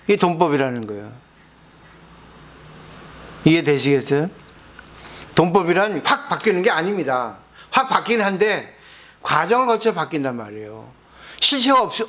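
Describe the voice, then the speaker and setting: A man's voice: sits high, big pitch swings, normal speed, fairly bright tone. A man, a Buddhist monk, lecturing on scripture, explaining with everyday examples and asking his listeners rhetorical questions. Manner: asks the audience rhetorical questions.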